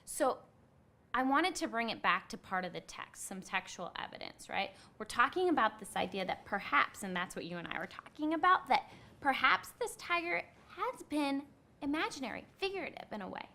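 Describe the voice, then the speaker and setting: Bright-voiced woman teaching a class. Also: high voice, moderate pace. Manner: expressive, clear teacher voice. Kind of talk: classroom read-aloud and discussion.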